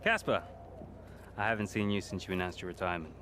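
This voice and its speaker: A man's voice: low voice, fast, bright, forceful tone, slight background noise. An actor playing a smug, gossiping male racing driver who teases and mocks his rivals. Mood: teasing. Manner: teasing, mocking, laughs a lot.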